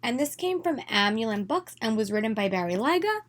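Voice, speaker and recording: Slightly hoarse young woman chatting excitedly. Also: fairly high pitch, fairly quick. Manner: chatty, enthusiastic, many "um"s. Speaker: book vlogger. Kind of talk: casual haul video. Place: her room at home.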